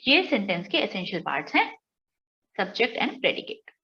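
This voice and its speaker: A woman's voice: medium pitch, big pitch swings, measured pace, pushed and bright, muffled recording. Indian woman teaching, rhetorical questions. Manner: explains step by step with everyday examples and rhetorical questions. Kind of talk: exam-prep lecture mixing Hindi and English.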